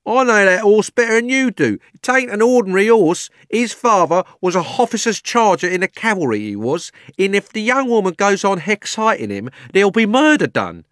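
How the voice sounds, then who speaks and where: High-pitched blunt Cockney cabby. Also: male voice, very animated, moderate pace, hardly any pauses, a bit bright, dry recording, clean studio sound. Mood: urgent, insistent. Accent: London Cockney. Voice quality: working-class speech with added aitches. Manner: urgent, coaxing, plain-spoken. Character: red-faced London cabby, blunt but kindly.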